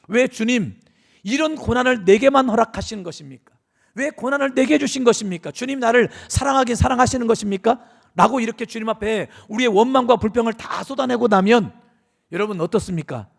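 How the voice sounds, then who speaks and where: A man's voice: high voice, vocal fry. A middle-aged male pastor preaching a sermon in a church, earnest and confessional, often speaking straight to the congregation. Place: church sanctuary.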